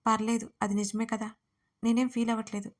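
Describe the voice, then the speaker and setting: A woman voicing a young man in a wheelchair, speaking quietly and soothingly in an audio storybook. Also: on the high side, level tone, brisk, close to an everyday voice. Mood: gentle.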